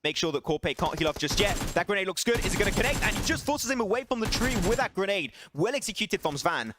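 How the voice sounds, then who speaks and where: Man, esports play-by-play, excitable, high voice, rapid delivery. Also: very noisy. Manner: excitable, laughs often, apologetic banter with chat. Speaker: esports caster. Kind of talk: solo esports play-by-play commentary.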